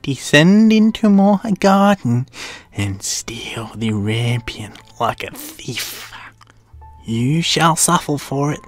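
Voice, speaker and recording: A man voicing an angry, commanding enchantress in a storybook tale, with drawn-out, declamatory delivery. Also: fairly high pitch, sing-song, soft background music, exaggerated voice. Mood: angry, menacing. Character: angry, imperious old enchantress, commanding and menacing.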